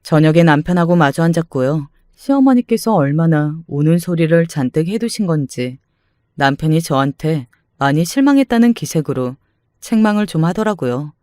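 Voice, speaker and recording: A woman's voice: low voice, warm tone, no echo, studio quality. A woman reading a scripted first-person story as a dramatic narrator.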